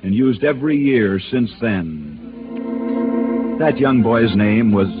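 A man's voice: on the low side, expressive, loud music behind the voice. Dramatic old-time radio storyteller, man. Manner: theatrical storytelling with emphatic pauses. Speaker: sports storyteller host. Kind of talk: dramatic scripted radio narration. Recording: tinny old radio broadcast with hiss.

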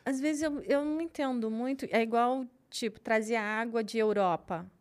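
A woman's voice: a little high, normal speed, smooth. A woman, reading viewer names and questions aloud as co-host. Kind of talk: casual live-stream chat.

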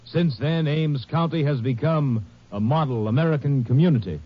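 A man's voice: on the high side, moderate pace. A man giving formal scripted narration in 1950s radio drama style. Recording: muffled 1950s radio recording.

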